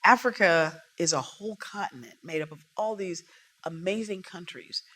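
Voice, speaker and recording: A woman's voice: fairly low pitch, moderate pace, a bit bright. A woman, a guest in a casual interview, telling stories emphatically and with animation. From United States.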